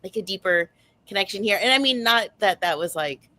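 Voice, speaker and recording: A woman's voice: mid-range voice, lively intonation, brisk, pushed and bright, dry recording. A woman in a casual book club chat, talking in a rambling way with lots of filler phrases. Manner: rambling, heavy use of like and you know.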